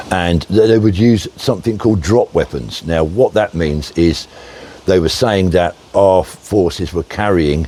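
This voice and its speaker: A man's very deep, low voice in a British accent, fairly slow in pace, with ordinary pitch variation and noticeable background noise. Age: 60s. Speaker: army veteran vlogger. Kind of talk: casual vlog commentary. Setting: outdoors on a walk. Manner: conversational, with fillers and restarts.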